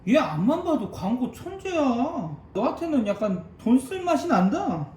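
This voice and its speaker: A man with a very high-pitched, darkish voice and big pitch swings coos baby talk to his kitten at home at a moderate pace, coaxing it playfully in a casual vlog. The indoor room is echoey, with faint noise in the background.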